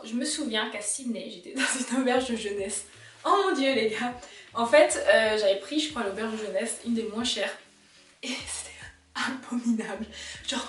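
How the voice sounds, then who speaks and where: Chatty young Alsatian woman, roomy and distant. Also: a little high. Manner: chatty, animated, talks straight to viewers. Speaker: illustrator vlogger. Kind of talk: casual chat to camera. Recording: roomy sound, mic set back.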